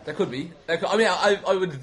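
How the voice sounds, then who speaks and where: A man's voice: high-pitched, fast talker, fairly bright tone. A man chatting casually as a podcast guest, jokey and rambling, swearing freely. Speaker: podcast guest, wrestling show booker. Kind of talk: casual chat. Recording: clearly noisy background.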